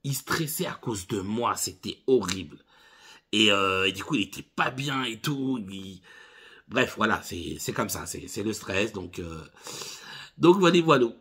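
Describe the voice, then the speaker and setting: Unhurried and slightly rough, his voice sits fairly low. The man, a driving instructor in his thirties, casually tells funny anecdotes to camera in an animated way, calling viewers "les gars."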